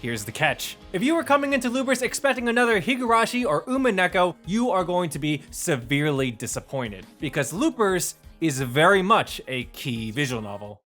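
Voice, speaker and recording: A man's voice: sits high, big pitch swings, fairly quick, hardly any pauses, fairly bright tone. A man narrating a scripted review with an emphatic, wry delivery. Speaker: video game reviewer. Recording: music behind the voice. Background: background music.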